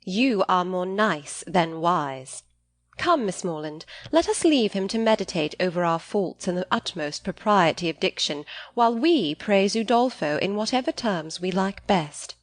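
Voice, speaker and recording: A woman voicing a sensible, gently wry young lady in an audiobook, composed and articulate with formal phrasing. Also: medium pitch, lively intonation, measured pace, no room sound, natural voice.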